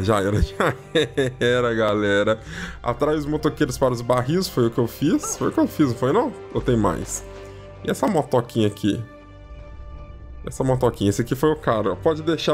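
A man giving casual, excitable commentary as he plays a video game, constantly calling out to his viewers. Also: moderate pace, faint music behind. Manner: chatty, repeats "ó" and "galera" constantly; lively and excitable, jumps in pitch when surprised. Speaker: gaming YouTuber.

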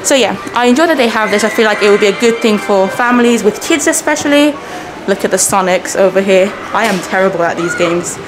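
Over background music, a woman in her thirties, Persian by first language, gives a brisk, upbeat hotel tour for her travel vlog, pausing little as she moves through the lobby and halls. Her pitch bounces lively as she chats, and the self-filmed handheld audio is noisy.

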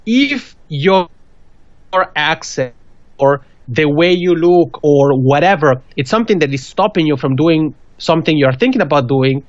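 A man's voice: fairly high pitch, animated, measured pace, no echo. A man in his thirties from Switzerland, a non-native English speaker with a Swiss accent, giving earnest advice as a guest on a video call interview. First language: not English. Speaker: podcasting guest. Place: small indoor room. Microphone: studio mic with pop filter on a video call. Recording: dull, dry video call audio.

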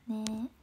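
A woman with a Kansai accent chatting casually on a livestream, reading viewer comments, laughing often and slipping into soft whispers. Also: a little high, slight background noise. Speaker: idol group trainee hosting a livestream.

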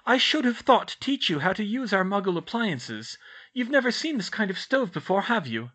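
A man voicing a clever young witch girl in a storybook, brisk, practical and reassuring. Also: sits high, big pitch swings, pushed and bright, husky, pitched above the performer's own voice, heavily acted. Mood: explaining.

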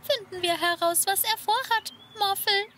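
A performer voicing a cheerful, caring little girl in a children's cartoon, with simple, clear delivery. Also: extremely high pitch, moderate pace, pushed and bright, a little hiss or hum. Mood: caring, bright. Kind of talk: children's cartoon dub acting. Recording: music behind the voice.

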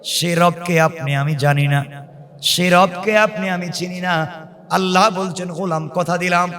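A man delivers a waz sermon in a high voice, fervent and dramatic. He swings between quiet pleading and soaring chanted cries, and slips into sung recitation. The sound carries a long, echoing reverb, as from a big hall or a PA at a large gathering. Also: fairly even intonation, measured pace. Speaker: preacher.

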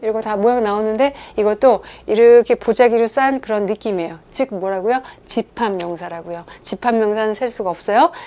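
A woman teaching an English grammar lesson online, lively and coaxing, asking her students questions and reading English examples slowly. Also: a little high.

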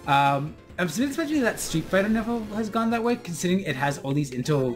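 Lively teasing young man. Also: high voice, brisk. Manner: animated, teasing. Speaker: let's play co-host. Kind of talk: casual gameplay banter. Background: game music.

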